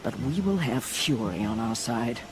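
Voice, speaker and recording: A middle-aged man voicing a tribal war chief in a game cutscene, giving measured, commanding orders. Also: medium pitch, animated, background noise, close to an everyday voice. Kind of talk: video game cutscene acting.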